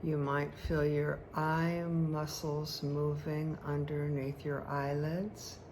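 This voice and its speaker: A woman leading a guided meditation in a hypnotic, soothing manner, speaking deliberately with long pauses. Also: low voice. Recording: clear steady background noise.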